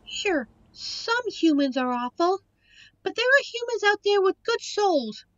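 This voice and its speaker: A woman's voice: extremely high pitch, very animated, measured pace, a bit bright, no echo, exaggerated voice. A woman playing a sweet but defiant young succubus daughter in a scripted audio roleplay, earnest and pleading, on a muffled recording. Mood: earnest, tender.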